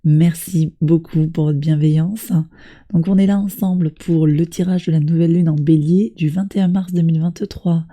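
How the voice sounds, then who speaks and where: A woman with a cold reads tarot cards for her viewers, and her voice comes out hoarse, husky and very dark. She keeps her delivery flat and even, speaking straight to the listener in a gentle, encouraging way. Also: low voice, moderate pace. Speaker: tarot reader. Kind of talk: tarot reading addressed to viewers.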